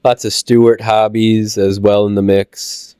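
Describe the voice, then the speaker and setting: Touring a train show for his channel, this Midwestern American host speaks in a low, smooth, clear voice, easygoing yet halting, with many "uh" fillers. He's getting over a cold. The mic catches him up close and dry, with no echo or room sound.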